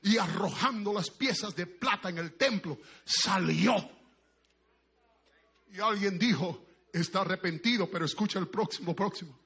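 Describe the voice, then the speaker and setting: A middle-aged man preaching a fiery sermon, swinging from shouted peaks to low, measured speech. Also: creaky, breathy edge.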